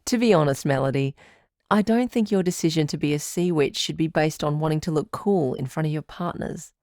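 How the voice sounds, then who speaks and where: A woman playing a calm, caring radio advice doctor who hosts a call-in show in a measured, reassuring way. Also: sits low, no room sound, clean studio sound. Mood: gentle, firm.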